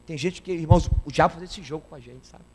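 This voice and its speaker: Emphatic high-voiced preacher. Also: male voice, fast, darkish tone, slight background noise. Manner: emphatic, calls out to the congregation. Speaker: guest preacher. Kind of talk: sermon.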